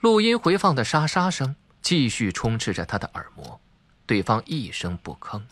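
Male suspense audiobook narrator: husky timbre, animated intonation, emphatic dramatic delivery. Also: medium pitch, normal speed, no echo.

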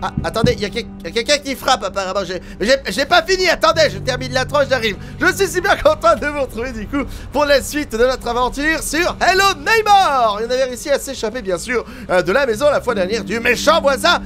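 Excitable high-voiced man gaming. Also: fast talker, hardly any pauses. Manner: excitable, chatty, laughs often. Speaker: gaming youtuber. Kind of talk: lively let's play commentary. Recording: game music playing behind.

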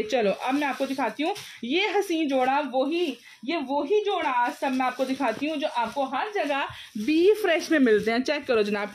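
A woman with a Pakistani accent giving an overeager, repetitive, exclamatory teleshopping pitch as a live online clothing seller. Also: slight background noise.

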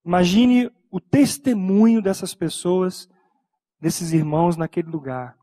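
A man's voice: on the high side, warm tone. A middle-aged Brazilian man preaching a sermon from a church stage into a handheld microphone, stretching out words for emphasis. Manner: preaching with emphatic, drawn-out phrases. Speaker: pastor. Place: church stage, large indoor hall. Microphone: handheld mic.

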